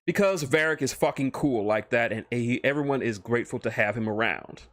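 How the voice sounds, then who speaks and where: Guy streaming, rambly nerdy fan chat, swears a bit, normal mid pitch, really dry close mic. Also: fairly quick, a bit bright, no echo. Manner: rambling, profane, enthusiastic fan talk. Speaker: streamer, host. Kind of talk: casual livestream chat about fan fiction.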